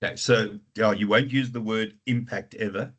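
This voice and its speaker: This is a man with a somewhat deep voice and a clear South African Afrikaans accent. He lectures informally, working out ideas aloud as he advises students, with a teasing, familiar way about him. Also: steady tone, normal speed, a bit bright. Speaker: university lecturer advising students on research proposals. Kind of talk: informal online teaching consultation.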